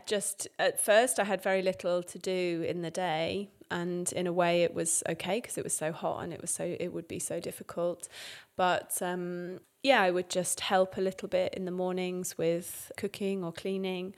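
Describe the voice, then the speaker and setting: English woman, lowish voice, easygoing. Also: fairly even intonation, measured pace. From England. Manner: thoughtful, many fillers and restarts. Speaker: guest. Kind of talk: conversational interview.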